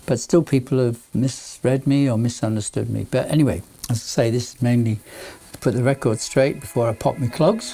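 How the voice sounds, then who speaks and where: Fairly even intonation from a man at a medium pitch, with music in the background. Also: fairly quick pace. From northern England (Cumbria, Lake District). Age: 70s. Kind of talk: autobiographical testimony. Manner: hesitant, many fillers.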